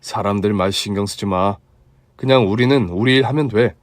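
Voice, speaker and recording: A man voicing a kind, diligent young husband who speaks calmly and earnestly. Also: normal speed, no room sound, studio quality, close to an everyday voice. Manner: low, calm and earnest.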